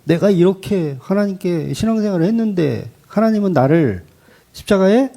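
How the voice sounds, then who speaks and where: A male pastor preaching a sermon in a blunt, colloquial, animated way. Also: sits high, normal speed, creaky.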